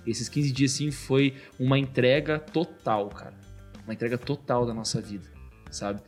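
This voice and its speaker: A man in his thirties, a podcast guest, telling a personal faith story in casual chat, animated and full of filler words. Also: medium pitch, normal speed, soft background music. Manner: animated storytelling, constantly says "cara".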